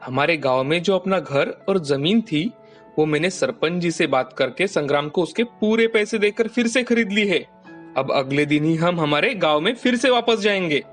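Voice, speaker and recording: A man voicing a kind, generous merchant in a cartoon story, speaking calmly and reassuringly. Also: fairly high pitch, normal speed, faint music behind. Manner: calm, gentle, reassuring. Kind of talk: cartoon voice acting.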